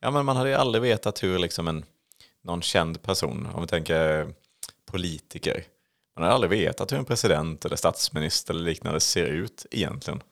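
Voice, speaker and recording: A man's voice: low-pitched, animated, creaky, fairly bright tone. A man co-hosting a casual podcast, leading the topics and talking with frequent hesitations and restarts. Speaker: podcast co-host. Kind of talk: casual chat.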